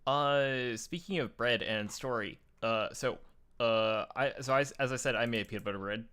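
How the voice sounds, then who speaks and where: A man's voice: mid-range voice, moderate pace, bright, forceful tone, smooth. A man hosting a casual live-stream chat, rambling with many uhs and restarts as he shows pictures. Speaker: show host sharing his picture folder.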